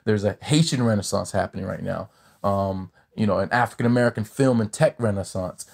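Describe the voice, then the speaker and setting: A man's voice: on the low side, fairly quick, gravelly, a little mellow. A man hosting a podcast interview, speaking thoughtfully with many fillers and long questions. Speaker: podcast host. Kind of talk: conversational interview.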